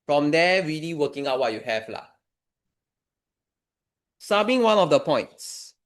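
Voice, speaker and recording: A man's voice: a little high, sing-song, a little slow. A man with a Singaporean accent teaching a maths revision lesson in colloquial Singlish, instructing step by step and putting questions to his students. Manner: colloquial Singlish with particles like lah and ah; instructive, poses questions to students and answers them. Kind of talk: informal revision lesson, explaining worked steps.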